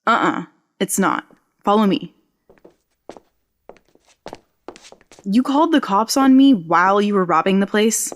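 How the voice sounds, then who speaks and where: An actress playing a wry, brash young would-be journalist in an audio drama, glib and sarcastic, tending to ramble. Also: female voice, medium pitch, lively intonation, moderate pace, natural voice. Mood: challenging. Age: young adult. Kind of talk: naturalistic audio drama acting.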